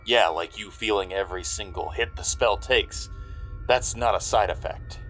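Low-voiced, gruff noir gumshoe. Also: male voice, normal speed, a bit bright, soft background music, low-quality recording. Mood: worried, urgent. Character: down-on-his-luck male private eye, gruff but protective. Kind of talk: noir audio drama acting.

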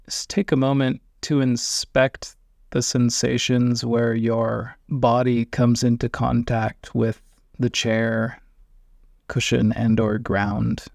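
Very slow, gravelly man guiding meditation. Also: mid-range voice, flat delivery, dry recording, studio quality. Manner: gentle invitations with long pauses. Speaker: meditation guide. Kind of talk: guided meditation.

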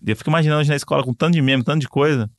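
Young guy rambling jokes on a podcast, talks fast, dry sound. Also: on the high side, dry recording. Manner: jokey, rambling storyteller. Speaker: podcast co-host. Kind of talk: casual chat.

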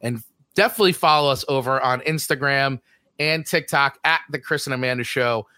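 A man's voice: medium pitch, a little fast, bright, forceful tone, dry recording, clean studio sound. A man with a New Jersey accent co-hosting a podcast, chatting casually and rambling through show plugs. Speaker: podcast co-host. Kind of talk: casual chat.

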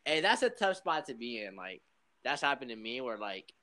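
A man's voice: mid-range voice, big pitch swings, normal speed, pushed and bright. Slangy, playful young man interviewing. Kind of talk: casual chat.

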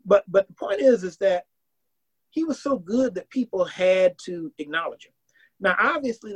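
Heard through poor audio, this high, husky voice belongs to an academic guest around sixty from the American South. In a casual interview he talks earnestly, often restarting phrases while he works through his thoughts.

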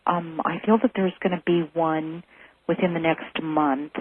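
A woman's voice: low-pitched, fairly even intonation, unhurried. Chatty woman caller on a phone line. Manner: chatty and curious, many "um"s. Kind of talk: call-in chat. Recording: phone line with faint hiss.

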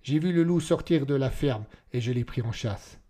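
A man's voice: medium pitch, moderate pace, dark tone, pitched above the performer's own voice, lightly acted. A man voicing a haunted young suspect who speaks in a tense, hesitant, pleading way. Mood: guarded. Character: haunted young man, evasive wolf witness.

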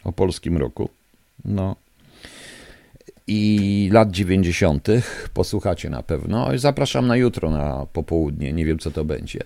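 A man's voice: deep voice, creaky, dark tone, no room sound. A male radio host rants angrily and indignantly at his listeners in a studio. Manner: angry, indignant ranting. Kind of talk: live radio talk to listeners. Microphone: studio microphone.

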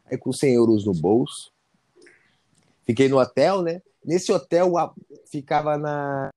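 A man from Brazil with a Brazilian accent, a podcast guest telling a story in a lively way, acting out other people and restarting often. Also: mid-range voice, no echo. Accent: Brazilian Portuguese. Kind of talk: casual storytelling.

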